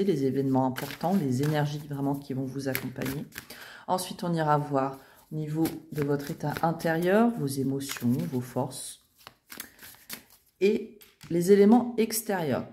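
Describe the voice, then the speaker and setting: Woman, tarot reader, low voice, faint background noise. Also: darkish tone. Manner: chatty, with many fillers and restarts. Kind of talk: casual tarot reading video.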